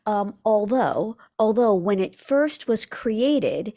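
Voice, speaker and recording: Woman guest, belly dance teacher from the US, mid-pitched, earnest, explains patiently. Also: lively intonation, mellow. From United States. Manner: earnest and explanatory, with quick laughs and occasional fillers. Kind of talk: casual interview chat.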